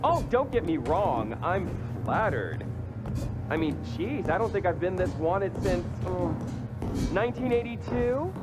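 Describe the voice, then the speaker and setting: A man's voice: high-pitched, big pitch swings, measured pace, loud music behind the voice. An actor voicing a flamboyant, foul-mouthed male vampire in a video game, campy, theatrical and teasing.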